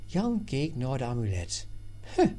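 A man reading a story aloud as narrator in a plain, steady way. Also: mid-range voice, measured pace, husky.

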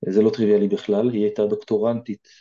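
A man's voice: on the low side, flat delivery, mellow, dull audio. A man with an Israeli accent giving informal, direct advice as an interview guest, explaining things conversationally.

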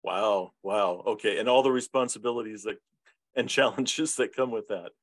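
A man's voice: lowish voice, moderate pace, dry recording. Affirming male interview host. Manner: affirming, with repeated backchannels. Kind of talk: friendly interview chat.

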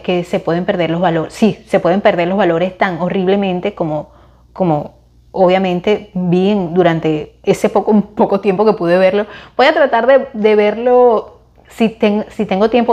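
A woman in her forties with a Venezuelan accent talks casually to the camera and shares her opinions. Her voice sits in a middle pitch range. She speaks in a chatty, expressive way, often restarting her sentences. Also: unhurried, lo-fi sound. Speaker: vlogger recommending series and films.

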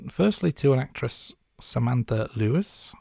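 A man's voice: mid-range voice, lively intonation, unhurried, gravelly, mellow, slightly rough, no room sound, studio quality. A man presenting a podcast as co-host, moving between scripted narration and casual chat.

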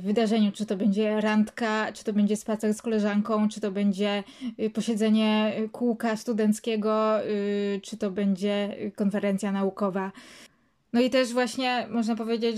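A woman's voice: medium pitch, darkish tone. A woman reads a literary passage aloud and then comments on it hesitantly, with many fillers. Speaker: reader and commentator. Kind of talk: reading a literary text aloud, then reflecting.

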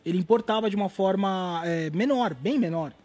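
A man tells stories at a rapid clip, his voice pitched high with a husky grain. He talks in an animated, slangy way and drops casual swears. He is a guest artist in a relaxed interview.

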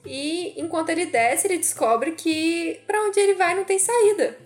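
A woman with a very high voice recaps a story in a playful, teasing way as a podcast co-host. Quiet music plays underneath. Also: moderate pace. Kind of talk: casual chat.

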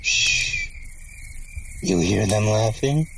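Crazy raider lady, super slow creepy singsong, noisy ambience behind, dark podcast drama. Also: very deep voice, huge pitch swings, full character voice. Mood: dreamy madness. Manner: sing-song fragmented rhymes, cackling, theatrical. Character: mad, gleeful raider woman, eerie and sing-song. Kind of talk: dark audio drama acting.

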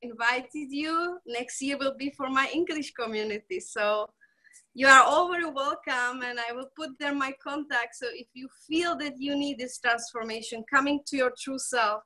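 Czech lady, native czech, high bright voice, effusive and chatty, halting english. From Czech Republic. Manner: warm, effusive, frequent laughter, halting non-native English. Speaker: healer and shaman guest. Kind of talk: conversational interview.

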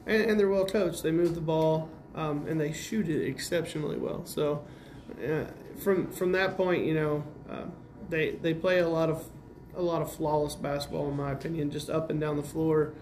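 An American man, a high school basketball coach, answering interview questions in plain-spoken, casual terms as he breaks down games. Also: fairly even intonation, moderate pace, a little mellow, slight background noise. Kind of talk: interview answers, game analysis.

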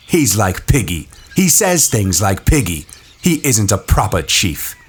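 A man voicing a headstrong, contemptuous boy in an audiobook, talking forcefully and insistently. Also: lowish voice, sing-song, unhurried, slight background noise. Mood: scornful. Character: headstrong boy hunter leader, contemptuous and defiant.

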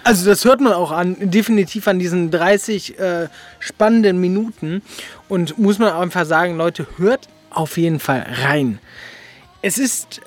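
A woman's voice: on the low side, moderate pace. A woman hosting a casual interview podcast, talking in a gushing, slangy and emphatic way. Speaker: podcast host. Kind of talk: casual, promotional interview talk.

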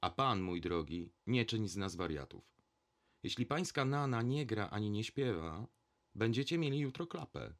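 A composed, ironic journalist, voiced by a male narrator, speaking calmly and dryly. His voice is deep. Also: normal speed. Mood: persuasive. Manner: calm, dry.

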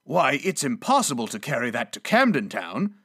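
A man voicing an overjoyed old gentleman in a storybook, exclamatory, effusive and eagerly polite. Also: a little high, very animated, moderate pace, voice pushed up. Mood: giddy delight. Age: older. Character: overjoyed, reformed old gentleman, giddy and generous.

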